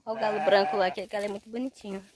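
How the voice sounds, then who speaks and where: A woman's voice: medium pitch, flat delivery, rapid-fire, noisy background. A woman vlogging outdoors on a farm, chatting away to her viewers as she films on a handheld phone. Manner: chatty, keeps addressing viewers directly. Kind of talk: casual farm vlog. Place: outdoor farmyard with animals.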